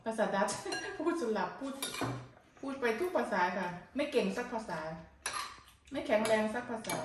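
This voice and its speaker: A woman's voice: on the high side, sing-song, normal speed, noisy background. A woman from northeastern Thailand with an Isan accent, chatting casually and coaxing her child while cooking and eating at home. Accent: Isan Thai. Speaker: vlogger and mother. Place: home kitchen. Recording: echoey room, distant mic, dish clatter.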